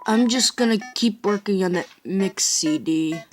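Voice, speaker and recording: A woman's voice: mid-range voice, a little slow, soft background music, close to an everyday voice. A woman voicing a meek, lonely, hesitant monster from a video game. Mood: meek, wistful. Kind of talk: amateur video game character dub.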